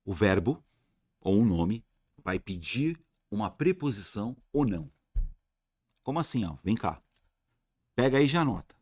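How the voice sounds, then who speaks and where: Lively Brazilian man drilling grammar. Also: lowish voice, normal speed, pauses often, no echo, clean studio sound. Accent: Brazilian Portuguese. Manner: lively, colloquial, repeats words to drill them; talks to students directly, asks and answers own questions. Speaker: Portuguese teacher for exam prep. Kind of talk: online grammar lesson.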